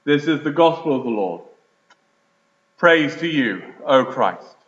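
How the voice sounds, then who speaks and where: A man, a priest, reading the gospel and preaching in a measured liturgical way, his voice ringing with the echo of a large church. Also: a little high, animated. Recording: echoey church, dull lo-fi sound.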